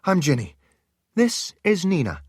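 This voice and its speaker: A man's voice: high voice, wildly swooping pitch, unhurried, darkish tone, breathy edge, dry recording, studio quality, voice pushed up, full character voice. A man doing a gushing, eager palace woman. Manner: bubbly, gushing.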